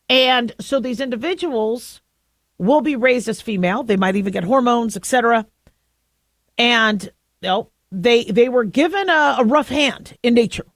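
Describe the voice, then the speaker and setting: A middle-aged woman with a deep voice hosting a talk radio show, talking through her views in a conversational way with frequent restarts. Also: dry recording. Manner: conversational, halting with many restarts. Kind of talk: opinionated talk radio monologue.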